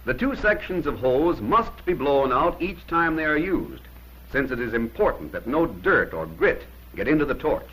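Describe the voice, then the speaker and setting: A man's voice: mid-range voice, big pitch swings, normal speed, fairly bright tone, husky, rough recording. A man narrating a 1950s instructional film in an emphatic, plain-spoken way, giving short commands on an old film soundtrack.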